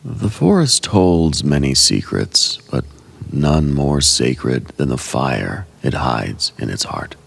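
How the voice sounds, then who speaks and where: A man who hosts and narrates a meditative radio show guides an esoteric ASMR meditation in a rumbling low, husky, breathy voice with heavy vocal fry. His slow, dreamlike scripted narration is solemn, hushed and deliberate, delivered in short measured phrases with a sing-song lilt.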